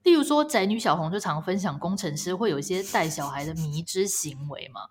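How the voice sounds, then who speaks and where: A woman co-hosting a casual chat podcast, telling stories in an exasperated, animated way. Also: on the low side, fairly quick. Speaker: podcast co-host.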